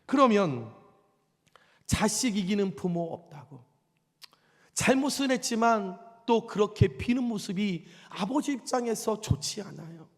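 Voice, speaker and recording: A man's voice: sits high, expressive, measured pace, long reverb tail. A male senior pastor preaching a sermon in an emphatic, conversational way, using rhetorical questions. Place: church sanctuary.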